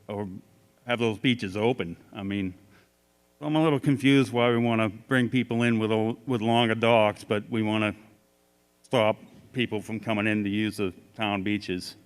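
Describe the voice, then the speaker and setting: Low, resonant man in an echoing hall. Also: steady tone, measured pace, clear, resonant tone. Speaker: candidate for town selectman. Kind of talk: informal off-the-cuff answer at a forum. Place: arts center hall. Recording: long hall reverb.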